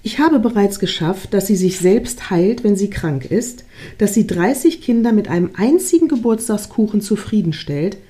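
A woman reading aloud, voicing a patient, proud old male creator god in a storybook tale in a calm tone. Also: mid-range voice, moderate pace, natural voice.

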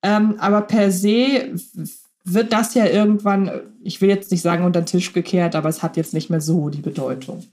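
A woman's voice: lowish voice, fairly even intonation, normal speed, darkish tone. A woman co-hosting a fan podcast in casual chat, thoughtful, checking her notes and correcting herself. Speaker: podcast co-host.

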